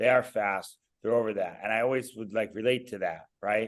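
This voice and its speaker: An energetic man speaks fairly quickly at a fairly low pitch. The background is quiet. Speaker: podcast co-host. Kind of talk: casual chat. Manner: fast.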